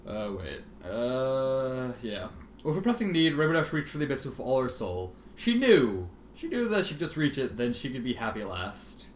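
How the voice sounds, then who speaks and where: A man reading fan fiction aloud in an expressive, sardonic manner, with casual asides. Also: medium pitch, moderate pace. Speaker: amateur fan fiction reader. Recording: roomy, faintly noisy home recording.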